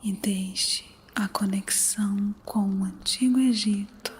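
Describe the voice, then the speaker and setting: A woman narrating an ASMR guided meditation in a soothing, unhurried manner. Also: mid-range voice, steady tone, slightly rough. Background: music.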